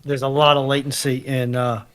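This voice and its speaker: A man's voice: mid-range voice, level tone, moderate pace, fairly bright tone. A man co-hosting a live chat, making casual, wry remarks with dry humour.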